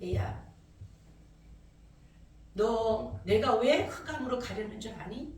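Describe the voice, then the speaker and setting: A woman pastor voicing God as a stern, cold figure who speaks slowly and solemnly in a sermon. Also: a little high, expressive, darkish tone, distant mic. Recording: echoey church from afar, faint noise.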